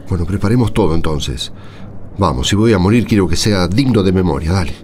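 Low, volatile Argentine soldier. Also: male voice, animated, brisk, background noise. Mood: alarmed, tense. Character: hot-headed, dreaming male Argentine soldier, defiant. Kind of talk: radio drama acting. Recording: prominent music behind the voice.

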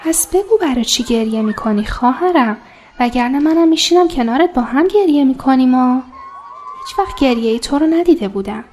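A woman's voice: sits high, expressive, darkish tone, slight background noise. A woman playing a tender comforting friend. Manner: tender, coaxing. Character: caring young woman comforting her friend. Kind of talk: radio drama acting.

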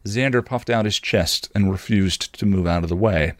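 A man's voice: fairly low pitch, normal speed, no echo, studio quality. A man narrating a scripted story expressively, as a reader of fan fiction.

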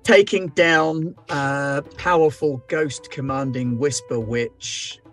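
A man's voice: on the high side, slow, a bit bright, soft background music. A man in a tabletop game group, recapping a session in a dry, wry way. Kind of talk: casual recap.

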